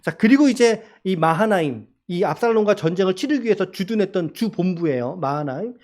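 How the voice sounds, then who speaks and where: A man's voice: high-pitched, lively intonation, fairly quick, darkish tone. A man preaching a sermon as a pastor in a church, asking the congregation questions and crying out quoted lines dramatically. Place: church sanctuary.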